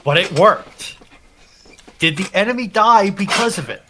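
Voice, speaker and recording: A man's voice: high-pitched, animated, unhurried, noisy background. A man speaking as a panelist in a casual, geeky debate.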